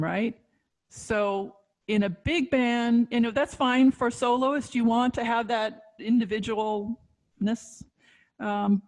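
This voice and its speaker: Slow-talking woman teaching saxophone online. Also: medium pitch, gravelly, poor audio. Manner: relaxed explaining with fillers and restarts. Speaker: saxophone instructor. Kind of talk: online music lesson. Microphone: video call.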